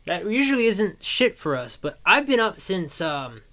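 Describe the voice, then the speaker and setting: A man's voice: high voice, big pitch swings, normal speed, fairly bright tone. A young man co-hosting a casual podcast, his voice worn out after a long day, giving blunt, profane opinions. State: voice worn out, tired late at night. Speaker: podcast co-host. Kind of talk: casual chat.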